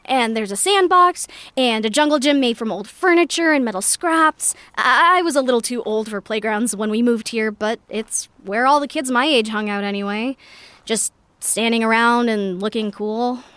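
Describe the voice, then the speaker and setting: A woman's voice: on the high side, normal speed, a bit bright, smooth, dry recording, close to an everyday voice. An actress playing a thoughtful young woman in an audio drama, giving a conversational, reflective walking tour of her community with hesitant asides. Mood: fond, casual. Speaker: narrator character.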